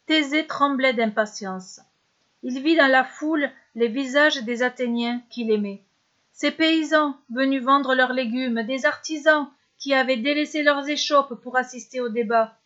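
A woman narrating a serialized story with a high, light voice. She reads steadily and in measured phrases. The recording sounds slightly dull and lo-fi. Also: a bit bright.

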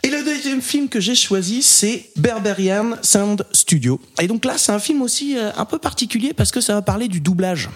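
A man's voice: high voice, animated, normal speed, hardly any pauses. A man chatting casually about films on a podcast, rambling along with lots of hesitations and frequent chuckles. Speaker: podcast co-host or guest. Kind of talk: casual film chat.

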